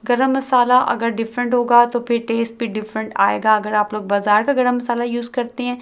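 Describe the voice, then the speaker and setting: A woman host narrating a cooking video, calmly explaining each step and mixing in English words. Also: fairly high pitch, normal speed, clean tone. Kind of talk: recipe voice-over narration.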